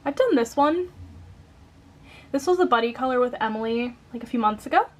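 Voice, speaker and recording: A woman's voice: fairly high pitch, animated, fairly quick, a little hiss or hum. Chatty Midwestern American young woman. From Wisconsin, United States. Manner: chatty and upbeat, lots of "um" and "like". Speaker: coloring YouTuber. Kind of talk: casual chat to camera.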